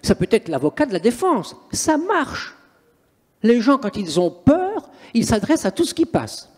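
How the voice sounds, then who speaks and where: A man's voice: very high-pitched, huge pitch swings, a little slow, darkish tone, breathy edge. A man, a priest and exorcist, telling stories in an interview in an emphatic, theatrical way. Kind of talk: interview, storytelling. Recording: long reverberant room echo.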